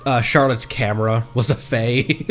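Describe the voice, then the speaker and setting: A man streaming a video game playthrough, chatting casually in an animated way and swearing freely. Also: mid-range voice, measured pace. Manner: animated, swears, laughs readily. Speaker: streamer, vtuber. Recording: game music behind. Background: video game music.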